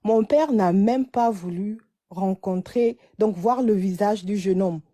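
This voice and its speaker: A woman in her late twenties calls in to a phone-in advice show, her medium-pitched voice warm and a little slow. She tells her story hesitantly, restarting many times.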